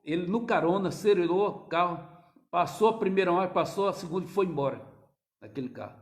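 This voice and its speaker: A male pastor preaching an impassioned sermon, addressing the congregation as brothers and swinging between loud cries and hushed tones. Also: a little high. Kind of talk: fervent sermon.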